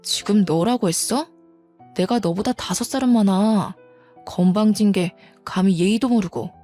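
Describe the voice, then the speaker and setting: A woman's voice: medium pitch, normal speed, dark tone, soft background music, natural voice. A woman voicing a cold, arrogant older sister who talks down with contempt. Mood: scornful. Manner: contemptuous, scolding.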